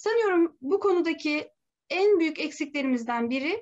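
A woman's voice against a quiet background. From Turkey. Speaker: interviewer. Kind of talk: formal interview. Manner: formal. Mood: calm, polite, earnest. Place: home room. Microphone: video call.

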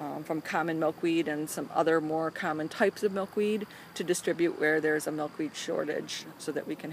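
Speech comes at a fairly quick pace with noticeable background noise, in a dry sound with no echo. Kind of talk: casual explanatory talk. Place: garden. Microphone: phone near.

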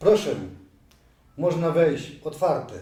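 Putting on a character voice, a man speaks at a fairly slow pace in a high, shaky pitch. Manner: trembling voice.

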